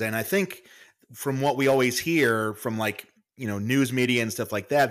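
A man in his forties hosting a podcast, asking interview questions in a measured, attentive way. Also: medium pitch. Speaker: podcast host.

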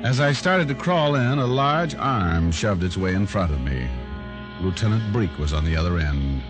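An actor playing a sarcastic private detective who also narrates, in a 1940s-style radio drama over music. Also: male voice, deep voice, expressive, normal speed. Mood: narrating. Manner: wry, sarcastic. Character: wisecracking male private eye narrator. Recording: music underneath.

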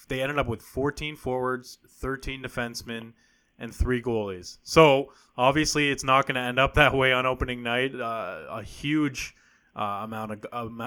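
A man hosting a podcast talks in a bright, forceful tone. His voice comes through smooth and resonant. He chats casually, often pausing on fillers and restarting his sentences. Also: medium pitch. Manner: conversational, with frequent fillers and restarts. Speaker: podcast host. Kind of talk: casual hockey podcast chat.

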